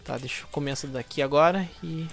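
A young Brazilian man giving casual, slangy commentary over his own gameplay, excitable at first and quieter once he is playing. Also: on the high side, fast talker, vocal fry. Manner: slangy, excitable intro then quieter focused play talk. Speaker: gaming YouTuber.

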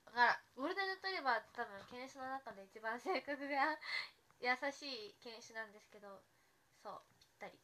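Giggly high bright young woman. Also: brisk. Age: young adult. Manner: giggly, excitable, rambling with many restarts. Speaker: idol livestreaming to fans. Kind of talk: casual livestream chat.

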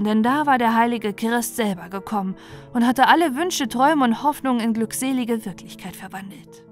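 A woman storyteller reading a scripted bedtime fairy tale. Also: a little high. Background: music.

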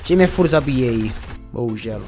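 A man's voice: mid-range voice, lively intonation, a little mellow, faint music behind. A man giving casual, joking commentary on his own gameplay and talking to viewers as friends. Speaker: gaming YouTuber.

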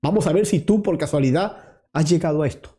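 Faint music plays behind a man in his thirties whose slightly high, mellow voice moves briskly. Hosting political commentary on a lapel mic in a small virtual-set studio, he's combative and fires rhetorical questions directly at his target.

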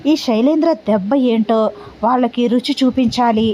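A woman's voice: a little high, normal speed, warm tone, close to an everyday voice. A woman voicing a short-tempered husband who schemes revenge and snaps at his wife. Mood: brooding. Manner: brooding and irritable.

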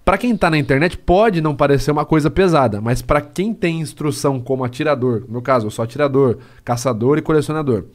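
Fast-talking man telling a story. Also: on the high side. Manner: lively, acts out scenes and quotes. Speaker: podcast guest, private investigator. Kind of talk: animated podcast storytelling.

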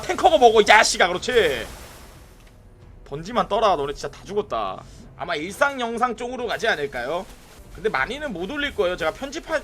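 A young adult man giving excitable live commentary on a mobile game, yelling at teammates in bursts and chatting with viewers, with faint music behind. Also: high-pitched.

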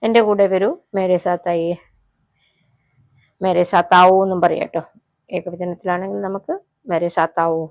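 A woman's voice: on the low side, steady tone, creaky, darkish tone, no room sound. Woman teaching Hindi. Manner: repeats each phrase slowly, then explains. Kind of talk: spoken language lesson.

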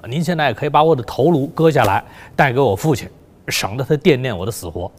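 A man's voice: mid-range voice, expressive, fast talker, lightly acted. Man doing teenage boy prince, frightened, tearful, pleading, long reverb.

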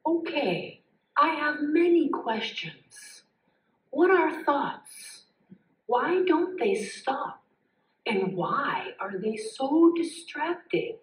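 A calm, inquisitive green snake, voiced by a woman, speaks slowly and thoughtfully in a live puppet show. The voice is a little high and sings up and down. It sounds roomy, as if picked up from across a stage. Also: distant mic, full character voice. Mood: curious. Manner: slow, thoughtful, politely questioning.

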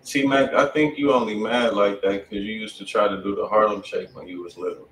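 A man's voice: on the low side, steady tone, a little fast, fairly bright tone, slight background noise. Laid-back joking man, roomy and distant. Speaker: host. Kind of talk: casual live-stream chat. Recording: roomy, from far off the mic.

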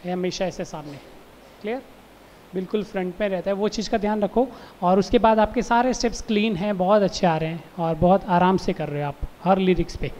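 A man's voice: high-pitched, fairly even intonation, brisk, in a large hall, noisy background. A man judging dancers, giving instructive feedback and checking that they understand. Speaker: dance judge.

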